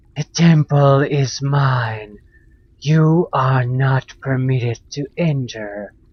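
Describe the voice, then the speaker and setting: A man puts on a booming character voice at medium pitch. He speaks at a very slow pace. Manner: angry, loud.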